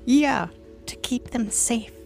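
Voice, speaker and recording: A woman playing a meek, strange child who speaks with halting, formal politeness in an improvised audio drama. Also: a little high, gravelly, a little mellow, soft background music. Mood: innocent, earnest. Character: odd, meek, hollow child named Dirt, eerily polite.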